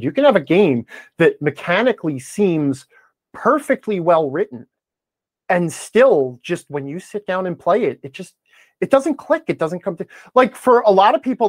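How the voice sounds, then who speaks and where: A man speaking as a podcast guest, giving opinionated, emphatic explanations in conversation and often checking in with a quick okay or right. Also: high-pitched, darkish tone, no echo. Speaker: podcast guest, game design commentator.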